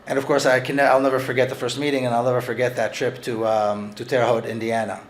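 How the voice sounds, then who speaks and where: Man, author talking through his book, earnest and halting, mid-pitched voice. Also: flat delivery. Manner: earnest, halting with frequent restarts. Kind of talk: conversational talk with read-aloud passages.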